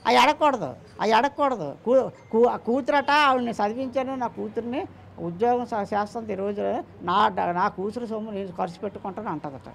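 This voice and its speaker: Gravelly older man, emphatic and repetitive. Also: sits high, fairly even intonation, fairly quick, a little hiss or hum. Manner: emphatic and repetitive, often quoting others. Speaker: interviewee, the father of a man in the news. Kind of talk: emotional interview answers.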